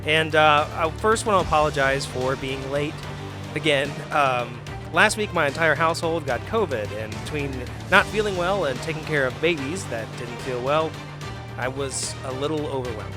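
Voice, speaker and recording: A man's voice: fairly high pitch, moderate pace. Chatty male podcast host over guitar. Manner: apologetic, chatty. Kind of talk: casual episode intro. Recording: guitar music behind.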